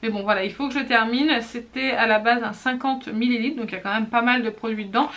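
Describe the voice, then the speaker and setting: Talking quickly in a slightly high, bright-ish voice, the thirtysomething French vlogger keeps her product review loose and self-mocking. She raises her voice, stumbles into restarts, and leans on fillers.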